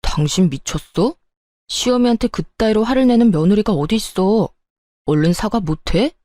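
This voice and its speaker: A woman's voice: medium pitch, lively intonation, normal speed, warm tone, no room sound, clean studio sound, natural voice. A woman voicing an angry adult husband who sides with his mother and orders his wife around. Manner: demanding, commanding tone. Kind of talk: storytelling narration.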